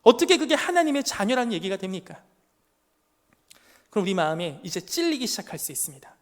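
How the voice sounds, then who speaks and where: A man's voice: high-pitched, sing-song, brisk. A man in his thirties, a junior pastor preaching a sermon to young adults, pressing the room with emphatic rhetorical questions and stories from his family life. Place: church sanctuary. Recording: long church hall reverb.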